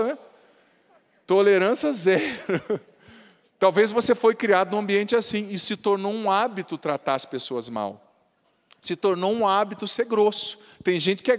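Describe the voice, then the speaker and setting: A Brazilian priest preaches in a folksy, humorous way, often tagging his points with questions. His voice sits high for a man. It rings out with a long reverb, as in a large hall. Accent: Brazilian Portuguese. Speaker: Catholic priest. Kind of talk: sermon.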